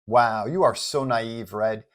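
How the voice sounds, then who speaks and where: Female police chief, read by a man: pragmatic, forceful, persuasive girlfriend in a superhero tale, slightly raised pitch. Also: slow pace, lightly acted. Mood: exasperated. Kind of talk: superhero story character voice.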